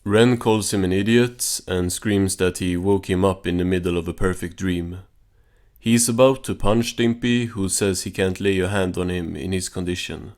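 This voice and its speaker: Deep-voiced man doing casual deadpan recaps. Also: moderate pace. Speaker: cartoon recap host.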